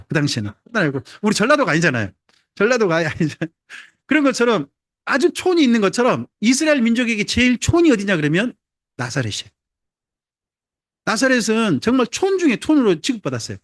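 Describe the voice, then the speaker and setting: Recorded up close with no room sound at all, a pastor from Jeolla, South Korea, preaches in an animated high voice. His sermon is casual and funny, and he keeps asking the congregation questions.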